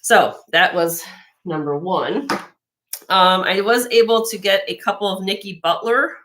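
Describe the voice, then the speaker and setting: A woman with a slightly raspy voice hosting a live jewelry sale, chatting casually and admiringly as she shows each piece, with frequent fillers and restarts. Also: medium pitch, measured pace, fairly bright tone. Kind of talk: casual show-and-tell product presentation.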